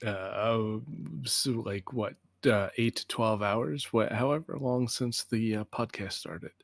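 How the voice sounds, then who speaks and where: A man's voice: on the low side, steady tone, slow, no room sound. A man co-hosting a podcast, chatting casually with dry, offhand humor. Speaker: podcast co-host. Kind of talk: casual chat.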